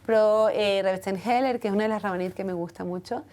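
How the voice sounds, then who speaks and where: Earnest, reflective woman with a mellow voice. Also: mid-range voice, fairly even intonation, brisk. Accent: foreign accent when speaking Hebrew. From from outside Israel. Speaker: interview guest. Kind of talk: reflective personal interview.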